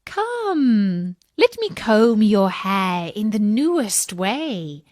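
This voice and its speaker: A woman's voice: medium pitch, big pitch swings, drawn-out words, darkish tone, no echo, studio quality. A woman voicing a wicked queen disguised as an old peddler woman, calling out her wares in a wheedling sing-song.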